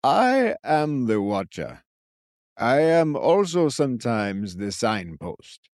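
A man voicing a cracked-voiced, eccentric old male sentry of the woods, croaking slowly. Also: mid-range voice, sing-song, darkish tone, no echo, studio quality. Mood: mysterious. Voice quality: croaking, slow, theatrical.

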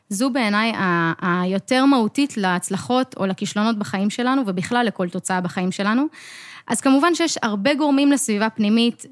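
A woman's voice: on the high side, no echo, studio quality. A young adult woman co-hosting a podcast as a coach, explaining earnestly in casual chat and acting out the voices in her head.

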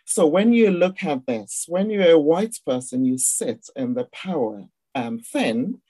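A woman's voice: sits low, expressive, measured pace, warm tone, no room sound, rough recording. Nigerian woman explaining, dry sound. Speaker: guest speaker. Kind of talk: online discussion session. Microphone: video call.

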